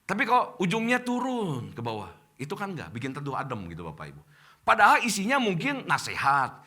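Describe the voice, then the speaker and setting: A man's voice: fairly high pitch, brisk, breathy edge. A middle-aged male pastor with an Indonesian accent preaching a sermon to his congregation in church, addressing them directly. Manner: addresses congregation as Bapak Ibu, animated preaching.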